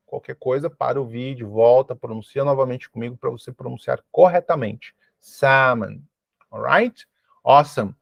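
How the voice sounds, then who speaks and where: A man's voice: on the high side, no echo. A Brazilian man teaching English online in a patient way, repeating each word and checking in with "alright?". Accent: Brazilian Portuguese. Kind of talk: online lesson, repeating words slowly.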